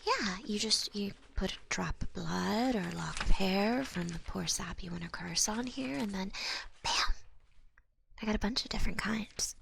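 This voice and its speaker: A woman voicing a little old goblin swindler in an ASMR roleplay, with a breathy, gravelly voice and folksy, wheedling patter. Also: on the high side, a bit bright, exaggerated voice. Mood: conspiratorial. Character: cute little old goblin swindler, smooth-talking, slyly menacing.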